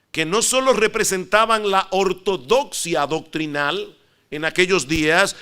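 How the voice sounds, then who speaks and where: Dominican pastor with a bright, smooth voice. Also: male voice, sits high. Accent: Dominican Spanish. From Dominican Republic. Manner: earnest, measured preaching with soft, hushed prayer. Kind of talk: sermon.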